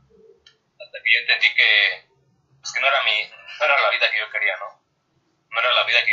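A man is speaking. His pace is fairly quick. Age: 20s. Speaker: podcast guest. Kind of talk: casual chat. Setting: Instagram live video call.

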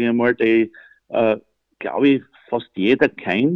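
Speaking with a Styrian accent, a man keeps a fairly slow pace, medium pitch and fairly even intonation. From Austria, Styria (Weststeiermark). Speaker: folk musician and innkeeper. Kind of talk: casual interview.

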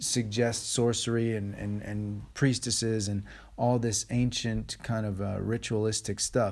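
The recording is very clean with a silent background. A man speaks fairly slowly at a medium pitch in a dark, mellow tone. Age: 40s. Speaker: podcast host, spiritual coach. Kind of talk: solo podcast monologue. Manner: halting, many fillers and repetitions.

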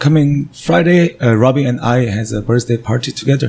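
A man with a Korean accent. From Korea, Seoul. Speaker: bar owner. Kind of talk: casual chat. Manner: halting.

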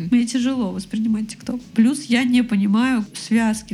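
At a moderate pace, a woman speaks in a fairly high voice, dark and mellow in tone, somewhat breathy, with monotone, flat intonation. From Moscow region, Russia. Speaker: curly hair stylist and blogger. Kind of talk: casual interview chat.

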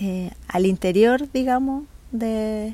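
This woman has a dark, mellow tone. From Chile. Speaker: museum project member. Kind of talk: testimony.

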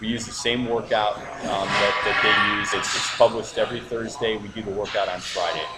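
An American accent at a moderate pace with ordinary pitch variation, plus audible room echo and noticeable background noise. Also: man. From Cleveland, Ohio. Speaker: gym owner and fitness coach. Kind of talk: casual interview. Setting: in a gym during a workout. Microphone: poor audio quality.

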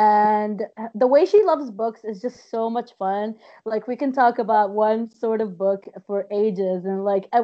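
The speaker has an Arabic accent and moves at a fairly slow pace with ordinary pitch variation. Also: woman. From Middle East. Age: 20s. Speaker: romance author. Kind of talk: casual interview. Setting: remote call.

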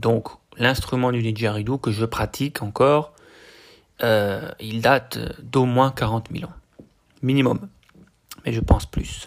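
Very slowly, with long, frequent pauses and big swings in loudness, a man speaks at a medium pitch with fairly even intonation. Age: 30s. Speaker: podcast host, coach and holistic therapist. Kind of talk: solo podcast monologue.

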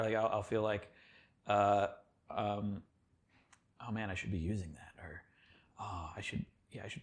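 Against a quiet background, a man with a somewhat breathy voice and fairly even intonation speaks with big swings in loudness and long, frequent pauses. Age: 30s. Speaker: YouTube video creator. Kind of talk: interview. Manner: halting, many false starts.

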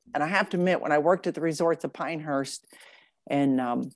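A woman with an American accent speaks fairly quickly in an unremarkable speaking voice. Her pitch varies in an ordinary way, and the background is quiet. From Michigan, US Midwest. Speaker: advertising and PR producer. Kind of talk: interview.

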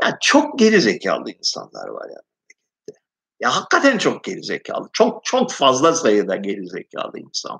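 A man at a moderate pace, his loudness swinging widely. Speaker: political commentator. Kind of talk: casual monologue answering listener questions. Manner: improvised, with frequent hesitation fillers; animated.

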